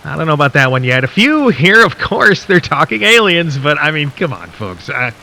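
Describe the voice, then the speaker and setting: A man playing a folksy late-night radio DJ in a radio drama, speaking intimately and conversationally to listeners with theatrical pauses and a skeptical, intrigued air. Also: on the high side, very animated, gravelly, bright, forceful tone, full character voice. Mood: wry, skeptical. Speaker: radio host.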